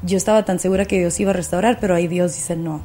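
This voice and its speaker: A woman's voice: lowish voice, steady tone, racing, dark tone, soft background music. A woman, a singer-songwriter and speaker, sharing her faith testimony as a podcast guest in a fervent, preacher-like way with frequent fillers.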